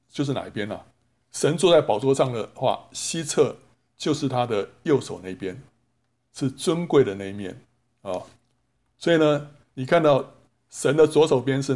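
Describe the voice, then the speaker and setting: A man preaching a storytelling sermon in a voice of ordinary, middle pitch. He keeps stopping to ask his listeners a rhetorical question, then answers it himself. He draws out the small particles at the ends of his lines. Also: a little mellow. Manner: drawn-out sentence-final particles. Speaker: Bible teacher.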